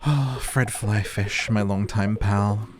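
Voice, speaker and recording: A smooth-talking hot dog vendor villager. He speaks in a low, flowery, boastful way. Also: steady tone, takes it slowly, faint music behind.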